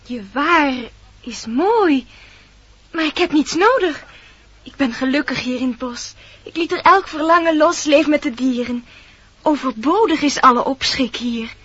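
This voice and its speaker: An innocent young fairy-tale maiden, speaking lyrical radio-play verse with earnest dreaminess. Her voice is extremely high and girlish. The old recording sounds dull. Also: lively intonation, measured pace, a bit bright. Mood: wistful.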